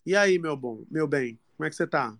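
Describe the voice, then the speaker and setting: A man's voice: on the high side, expressive, a little fast, noisy background. A man hosting a live call-in talk show, chatting playfully and teasing his callers with affection. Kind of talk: casual live call-in chat.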